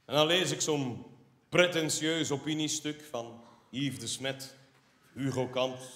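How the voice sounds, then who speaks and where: A man's voice: medium pitch, unhurried. A Flemish man doing stand-up comedy, ranting and sarcastic, tagging his lines with a questioning "hè". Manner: ranting, animated, sarcastic asides with tag "hè". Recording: roomy hall reverb from a live stage.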